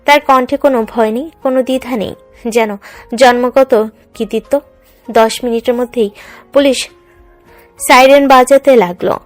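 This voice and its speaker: A woman's voice: fairly high pitch, steady tone, normal speed, long pauses. A woman reading dramatic scripted narration for a love story. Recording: music under the voice.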